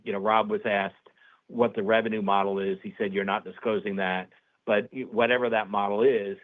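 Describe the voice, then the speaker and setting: A man asking questions as an analyst on an earnings call, with hesitant, measured phrasing. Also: lowish voice. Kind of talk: conversational business questioning. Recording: dull, lo-fi call audio.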